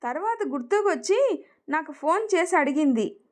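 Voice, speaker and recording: A woman's voice: very high-pitched, animated, normal speed. A woman reading the lines of a talkative middle-aged woman chatting in a friendly way with old neighbours. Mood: chatty.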